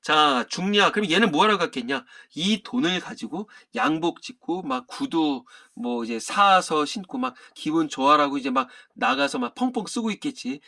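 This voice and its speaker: A man's voice: fairly high pitch, lively intonation, normal speed, vocal fry, hardly any pauses, bright, forceful tone. A male literature teacher explaining a play to students in a casual way, often asking them rhetorical questions. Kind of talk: lesson reading and explaining a play.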